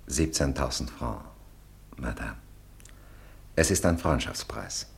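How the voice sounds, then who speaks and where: An actor playing a courteous, deferential French gentleman landlord in a radio drama, speaking formally and obligingly. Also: extremely low pitch, slow. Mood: courteous, soothing. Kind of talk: mid-century German radio drama acting.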